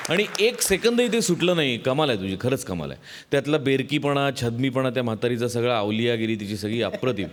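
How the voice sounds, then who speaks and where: A man speaking as a show judge, giving measured, appreciative praise. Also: mid-range voice, lively intonation, a faint crowd, a little hiss or hum. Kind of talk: praising commentary.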